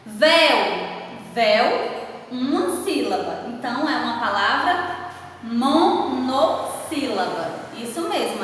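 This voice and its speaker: Brazilian Portuguese woman teacher, patient and unhurried, recorded at a distance with a long reverb and faint hiss. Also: high voice, bright, forceful tone. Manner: patient, checking in with "né?" and "certo?". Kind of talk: slow spoken class lesson. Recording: echoey room, far from the mic, faint noise.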